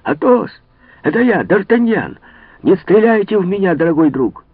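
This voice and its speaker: A man voicing a hot-tempered young male musketeer, hushed and hissing with indignation, on a tinny, dry recording. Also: sits high, very animated, moderate pace, no room sound, pitched above the performer's own voice, heavily acted. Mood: urgent shouting.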